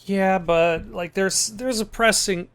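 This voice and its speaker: A man hosting a video game playthrough in a smooth, clear, slightly high voice. He comments casually and wryly, pausing as he thinks. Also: a bit bright. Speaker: gameplay host.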